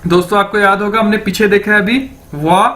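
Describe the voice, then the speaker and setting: Man, Pakistani Urdu accent, online tutor; high, bright voice; patient, repetitive, keeps checking in. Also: steady tone, brisk. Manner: patient, repeats each word and checks with "ठीक है". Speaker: language teacher. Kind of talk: online language lesson.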